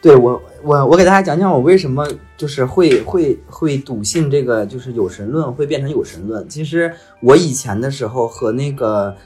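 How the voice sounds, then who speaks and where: A man's voice: mid-range voice, moderate pace, hardly any pauses, a little mellow, soft background music. A man from Northeast China talking earnestly on a podcast, often stumbling and restarting. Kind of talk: casual podcast chat.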